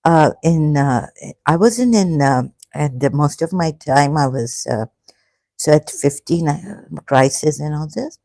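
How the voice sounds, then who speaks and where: This Karachi-raised speaker from Pakistan comments on religion online in a solo livestream, wandering between ideas with emotional hesitations and a lot of broken-off phrases. A mid-range, darkish voice comes through on a dry recording.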